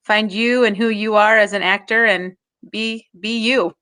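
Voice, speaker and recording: A woman's voice: medium pitch, fairly even intonation, measured pace, pushed and bright, smooth. A woman hosting a talkback on a video call, upbeat and laughing often. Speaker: host.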